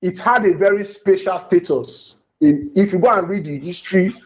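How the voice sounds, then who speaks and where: A man's voice: high-pitched, moderate pace, breathy edge. A Nigerian man with a Nigerian accent arguing insistently in a heated religious debate, repeating phrases as he presses his point. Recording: dull lo-fi audio.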